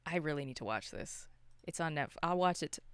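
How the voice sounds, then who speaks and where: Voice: medium pitch, animated, a little fast, clear, resonant tone, no echo. A podcast co-host from Canada chatting casually about movies in an opinionated, slangy way.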